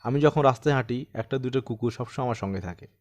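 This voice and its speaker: A man's voice: mid-range voice, fast, close to an everyday voice. A man voicing a troubled man of sixty-seven in an audiobook, earnest, self-deprecating and insistent as he recounts something eerie. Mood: haunted, wondering. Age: 60s. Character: troubled 67-year-old man recounting his eerie haunting. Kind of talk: dramatised audiobook storytelling.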